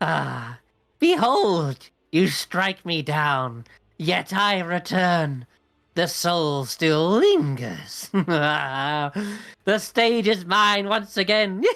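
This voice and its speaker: A put-on character voice sits at a middle pitch. It moves at a very slow pace. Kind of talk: archaic, stagey. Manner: grandiose, dramatic.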